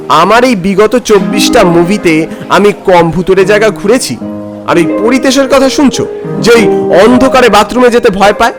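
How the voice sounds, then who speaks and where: A man voicing a confident, dismissive veteran film director with a brisk, commanding manner in an animated horror story. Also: high voice.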